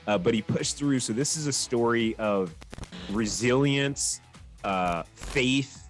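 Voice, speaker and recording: A man's voice: mid-range voice, slow pace, faint music behind. A man hosting a franchise podcast, talking in an upbeat, enthusiastic way with his guest. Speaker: podcast host. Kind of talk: podcast interview.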